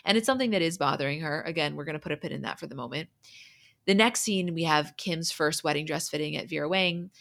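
A podcast host recaps in a casual, conversational way, retelling who said what and quoting dialogue scene by scene. Her voice is low and gravelly but fairly bright, and she talks quickly.

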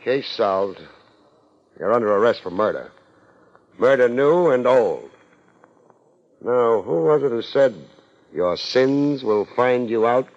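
An actor playing a laid-back, wry private investigator in a 1950s radio drama, deadpan and wisecracking. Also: male voice, medium pitch, slow, pauses often, a little hiss or hum. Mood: dry, conclusive. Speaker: lead actor, narrating and playing the detective. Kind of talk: 1950s radio detective acting. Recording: muffled 1950s radio transcription.

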